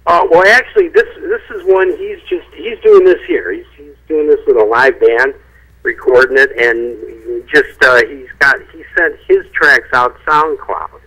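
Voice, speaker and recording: A guest songwriter talks casually on a speakerphone call for a phone-in interview, rambling a little and restarting his sentences. His mid-range voice is husky, pushed and bright, and a little slow, while the phone line breaks up.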